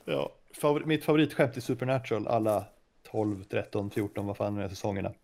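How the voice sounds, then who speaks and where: A man's voice: fairly low pitch, steady tone, vocal fry, a little mellow. A man chatting casually and easily while playing a game together with the host. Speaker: co-player and guest. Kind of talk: casual gaming chat.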